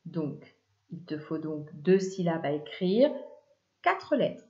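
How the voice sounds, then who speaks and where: A woman teaching children to spell two-syllable words, explaining slowly and patiently syllable by syllable. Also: deep voice, very animated, darkish tone. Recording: echoey room, dull lo-fi sound.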